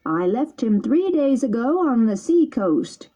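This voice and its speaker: A woman voicing a large, helpful male pigeon who talks in a calm, steady, kindly way. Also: a little high, measured pace, voice pushed up. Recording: dull lo-fi recording.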